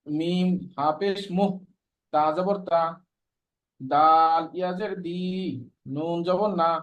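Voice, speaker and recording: A male student with a fairly high voice recites Quran letters one by one for his teacher. He goes slowly and carefully, sounding out each letter. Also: poor audio. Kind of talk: spelling out Quran letters aloud.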